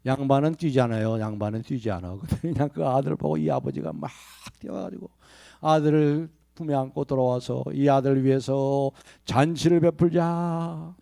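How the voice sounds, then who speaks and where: A man's voice: medium pitch, sing-song, a little fast, vocal fry, dark tone, no echo. A male pastor preaching a Sunday sermon in a church. He repeats key phrases, asks the congregation questions and leads them in reading scripture aloud. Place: church sanctuary.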